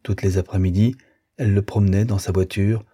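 A man narrates a classic novel in a measured, steady audiobook style. His voice is low and dark, with a markedly husky, breathy grain. The delivery stays even and composed throughout. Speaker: audiobook reader.

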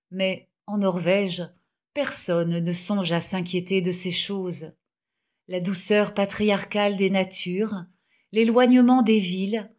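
A woman narrating a classic novel in a measured, even reading. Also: mid-range voice. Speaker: audiobook narrator. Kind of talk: scripted narration.

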